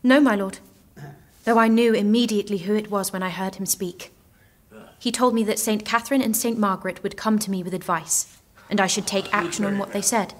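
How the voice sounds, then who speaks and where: A woman's voice: medium pitch, fairly even intonation, brisk, close to an everyday voice. An actress playing a devout, determined teenage peasant visionary in an audio drama, earnest and direct in her formal address.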